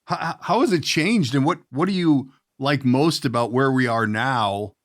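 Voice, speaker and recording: Mid-pitched man hosting a casual podcast interview. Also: measured pace. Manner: folksy, rambling questions. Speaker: podcast host, voice actor.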